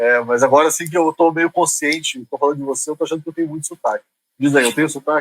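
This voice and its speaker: Speaking at a very fast pace, a man with a fairly high pitch keeps his intonation fairly even. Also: dry, close sound with no echo. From Curitiba, southern Brazil. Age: 40s. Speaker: columnist and writer. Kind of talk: casual interview.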